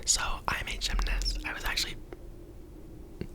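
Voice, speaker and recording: A young man of eighteen talks in a soft, breathy whisper for an ASMR video. He rambles in a chatty, unplanned way, filling pauses with "um" and "like". The sound is close and intimate, as if he is speaking from his bedroom. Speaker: ASMR creator.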